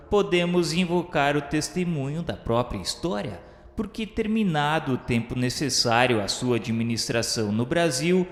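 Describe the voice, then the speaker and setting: A Brazilian man reading solemn scripted narration for a radio drama in a formal, declamatory way. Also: medium pitch. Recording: echoey reverberant hall sound, music underneath.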